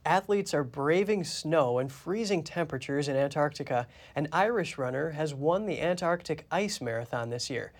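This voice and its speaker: Man, news anchor, scripted reading, steady and clear, slightly high voice. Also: moderate pace, few pauses.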